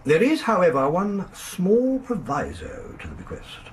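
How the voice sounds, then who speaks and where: Radio drama: hesitant, pompously formal middle-aged solicitor, higher-pitched, very animated intonation. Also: male voice, a little slow, full character voice. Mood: fussy, formal. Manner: fussy, formal, hesitant, throat-clearing. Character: fussy, hesitant English male country solicitor. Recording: faintly noisy 1980s radio drama recording.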